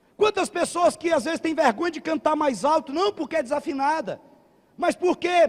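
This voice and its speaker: A man speaks at an extremely high pitch and a moderate pace. The sound is dry and close, with no echo. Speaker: pastor. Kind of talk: sermon.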